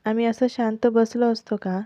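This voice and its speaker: A woman voicing a gentle mother who reassures her frightened daughter. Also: on the high side, flat delivery, normal speed, dry recording, lightly acted. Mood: soothing. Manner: soothing, reassuring. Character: gentle soothing older mother. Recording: dull lo-fi, dry close mic.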